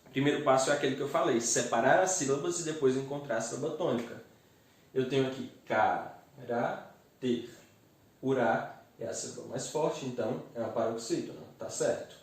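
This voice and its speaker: A man teaching grammar step by step and slowly sounding out the syllables of each word. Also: medium pitch. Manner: methodical, spells out syllables slowly. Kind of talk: explaining grammar exercises. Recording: very echoey room, distant mic.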